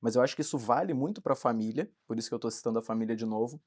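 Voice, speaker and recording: A man hosting a talk show who reflects on a point out loud and often adds "né?" to check in with his guest. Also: medium pitch, very fast. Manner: reflective, builds points with frequent "né?" tags. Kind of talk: conversational discussion.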